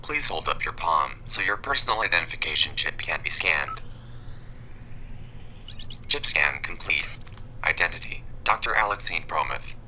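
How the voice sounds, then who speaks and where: An extremely deep, sharp-edged machine voice for a sci-fi audio drama checkpoint. It is impassive and formulaic, announcing in clipped phrases over faint noise. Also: male voice, lively intonation, normal speed, long pauses, heavily acted, low-quality recording.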